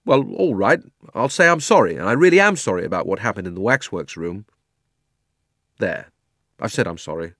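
Man playing an earnest, animated, anxious schoolboy. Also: lowish voice, moderate pace, no room sound, studio quality. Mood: apologetic.

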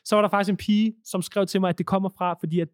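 High voiced guy hosting, chatty, keeps asking stuff, dry close mic. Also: steady tone, no room sound. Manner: conversational, asks questions, uses "ikke?" tags. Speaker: podcast host. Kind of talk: casual chat.

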